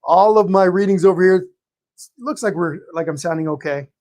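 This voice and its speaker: A man hosting a live painting stream, greeting viewers by name in a friendly, chatty way, his voice a little hoarse and tired, clearing his throat now and then. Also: high-pitched, moderate pace, a little mellow. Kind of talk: live-stream chat and teaching.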